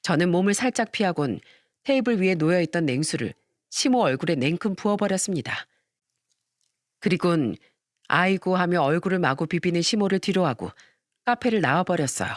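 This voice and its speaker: A woman telling a first-person family revenge story, narrating calmly and turning indignant and cutting in confrontations. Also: fairly low pitch, a little fast, dry recording, clean studio sound.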